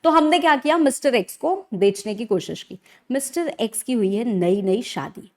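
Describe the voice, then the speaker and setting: High-voiced Indian woman teaching. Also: moderate pace. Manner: animated teacherly, asks and answers own questions, frequent check-ins. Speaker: law lecturer. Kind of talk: conversational online lecture in mixed Hindi and English.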